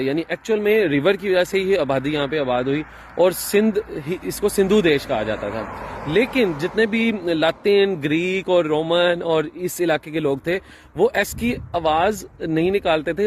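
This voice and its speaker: A man's voice: fairly high pitch, a little hiss or hum. A man, talking to camera as a travel vlogger, chatty and explaining with many fillers and restarts, outdoors in a town. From Pakistan. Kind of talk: casual explanatory travel vlog.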